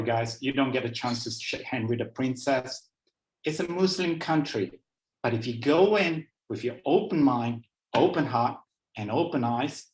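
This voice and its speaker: A man's voice: medium pitch, far from the mic. A man from Borneo giving an informal, enthusiastic travel talk on a video call. He repeats phrases for emphasis. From Borneo, Malaysia. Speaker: guest speaker. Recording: echoey room over a video call.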